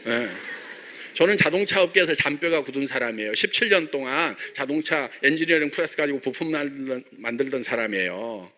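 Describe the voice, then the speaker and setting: A man's voice: mid-range voice, animated, brisk, pushed and bright. A middle-aged man from Jeolla, a company chairman giving a joking motivational stage speech full of rhetorical questions to his members. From Jeolla, South Korea.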